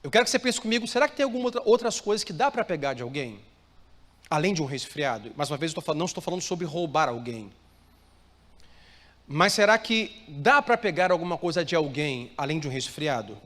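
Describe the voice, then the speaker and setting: A man's voice: fairly high pitch, very animated, brisk. A Brazilian Portuguese-speaking male pastor preaching a sermon to a live congregation, asking them to repeat phrases and answer him. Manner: preaching with call-and-response prompts to the congregation. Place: church hall with live congregation. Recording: reverberant church hall, soft music.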